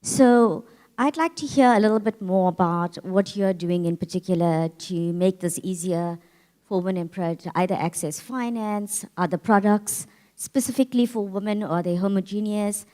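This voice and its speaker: A woman moderating a conference panel, framing questions in a measured way with many fillers. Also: fairly low pitch, a little mellow. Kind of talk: panel discussion. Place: conference hall. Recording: reverberant conference hall.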